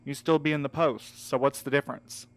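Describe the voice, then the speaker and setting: A man's voice: mid-range voice, fairly even intonation, fairly quick, natural voice. A man playing an easygoing, encouraging courier in an audio drama, earnest, casual and coaxing. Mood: probing. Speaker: voice actor in a fiction podcast. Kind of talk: scripted audio drama acting.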